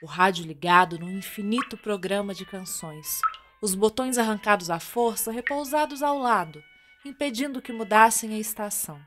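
Female narrator, Brazilian accent, medium pitch, theatrical storytelling, dramatic pauses, faint music behind. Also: lively intonation, a bit bright.

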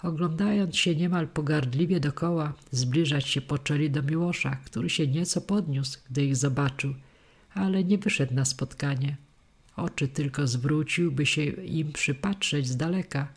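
A man narrating a historical tale in a measured, dramatic audiobook reading. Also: fairly high pitch, husky. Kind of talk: scripted narration.

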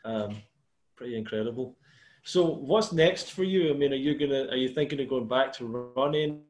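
A man's voice: medium pitch, moderate pace, a little mellow. A man hosting a podcast interview on a video call, asking loose, easygoing questions. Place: small bare room indoors. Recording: echoey room on a call.

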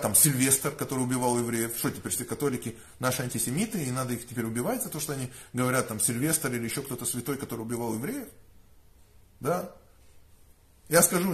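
Emphatic rabbi talking to the camera. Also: male voice, on the high side. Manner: conversational, emphatic, frequent rhetorical "da?". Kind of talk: informal lecture to camera. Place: room indoors with curtains.

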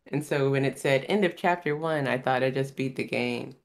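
A woman with a Southern US accent hosting a live stream, chatting casually in a soft, hesitant way with lots of fillers. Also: a bass voice, moderate pace. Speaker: VTuber streamer host. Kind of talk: casual chat.

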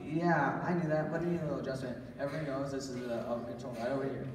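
A man's voice: mid-range voice, steady tone, very fast, close to an everyday voice. A man playing an eager, wisecracking, boastful boy in an amateur stage radio play. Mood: cocky. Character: eager, cheeky boy Sammy, joking, bossy little brother. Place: church stage before an audience. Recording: echoey church hall, distant, faint noise.

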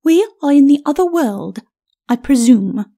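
A taunting skeleton noblewoman from a storybook, acted out by a woman. Her voice is highish and gravelly at the edges, swinging widely in pitch. She delivers cutting, formal archaic lines with bitter scorn. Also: expressive, unhurried, mellow, heavily acted. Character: scornful, taunting skeleton lady, an embittered wife. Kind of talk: storybook character acting.

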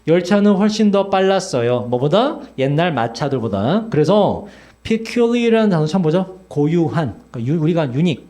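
A man's voice: a little high, big pitch swings, moderate pace, warm tone. A man in his forties giving a classroom English lecture, chatty and teasing, speaking directly to his students. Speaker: English teacher.

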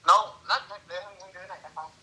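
A middle-aged man tells a story in a casual, lively way, his voice very bright and a little high. He drops into broken English phrases as he talks. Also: quick pace, a little hiss or hum, rough recording. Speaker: interviewee.

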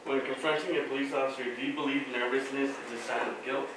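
A man questioning classmates as mock jurors in a university lecture hall, asking with frequent fillers and pauses. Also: medium pitch, fairly even intonation. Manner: hesitant, filler-heavy questions. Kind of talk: classroom role-play questioning. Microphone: far camera. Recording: echoey hall from far off, noisy.

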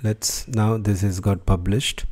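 A man talks through a screen-recorded tutorial at his desk. His voice sits low and sounds soft and mellow. He speaks off the cuff, pausing on fillers and restarting sentences as he clicks along. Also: fairly even intonation. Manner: unscripted, frequent fillers and restarts. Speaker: tutorial host.

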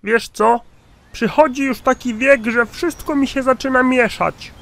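A man's voice: extremely high pitch, fairly even intonation, a little slow, gravelly, a bit bright, slight background noise, heavily acted. An actor playing a muddled seventy-year-old man in a cartoon sketch, complaining in a plain-spoken way. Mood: grumbling. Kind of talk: cartoon comedy sketch dialogue.

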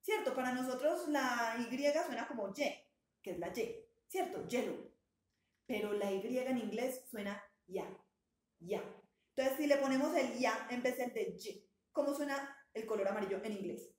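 A woman teacher gives a bilingual English lesson with a patient, encouraging manner. She slows down and draws out words so learners can copy their pronunciation. Her slightly high voice rings in a roomy, echoey space. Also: animated. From Colombia. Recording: echoey room sound.

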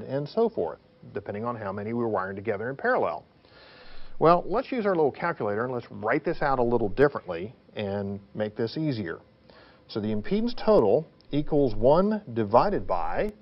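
Male technical instructor, lively intonation, emphatic step-by-step explainer, slightly muffled sound. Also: mid-range voice. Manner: didactic, emphatic, poses questions then answers them.

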